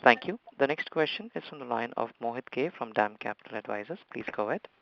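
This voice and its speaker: A man's voice: mid-range voice, animated, fast, gravelly, a little hiss or hum. A man working as conference operator, making formulaic announcements to introduce callers. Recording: dull, lo-fi conference line.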